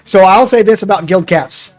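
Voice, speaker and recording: A man's voice: high voice, normal speed. A man hosting a gaming podcast, chatting in a rambling way with restarts and laughing at himself. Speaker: streamer and podcast host. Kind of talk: casual gaming podcast chat.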